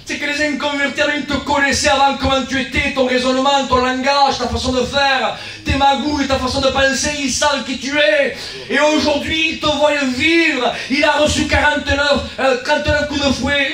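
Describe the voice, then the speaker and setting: A man with a southern French accent preaches with real fire, his voice sitting very high and ringing bright. He swings between shouted lines and softer, confiding asides, often repeating a word before pushing on. He is heard from some distance in an echoey church. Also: fairly even intonation, normal speed, hardly any pauses. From South of France. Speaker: guest pastor. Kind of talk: sermon. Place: church hall.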